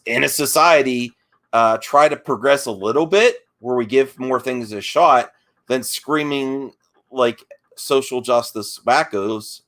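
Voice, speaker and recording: Male debater, mid-pitched voice, halting and defensive, arguing his side off the cuff in an online discussion. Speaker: debate guest.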